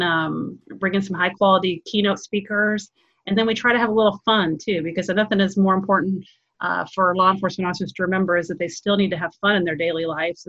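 A woman's voice: fairly low pitch, a bit bright, dull audio. A woman being interviewed, explaining her organization's work in an earnest, fluent way. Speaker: nonprofit representative being interviewed. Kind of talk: interview talk explaining programs.

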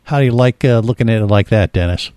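A man's voice: lowish voice, fast, darkish tone, no echo. Rambling middle-aged man co-hosting. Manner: rambling, filler-heavy, chuckling. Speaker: podcast co-host. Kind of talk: casual chat.

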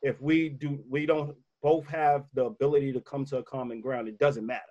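A man with a slightly bassy voice who co-hosts a casual advice talk and drives his points home by repeating them. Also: steady tone, fairly quick, warm tone, muffled recording. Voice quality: a little bassy voice. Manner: emphatic, repeats key points.

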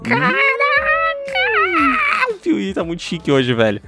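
A man's voice: a little high, wildly swooping pitch, a little slow, creaky, loud music behind the voice. A man with a Brazilian accent chatting casually as a podcast co-host, reading listener emails in a joking, slangy, mock-dramatic way.

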